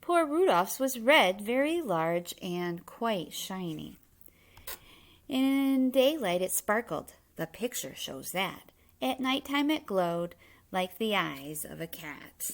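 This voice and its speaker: A woman reading a children's picture book aloud, with measured, expressive storytelling in rhyme. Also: mid-range voice. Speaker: story reader.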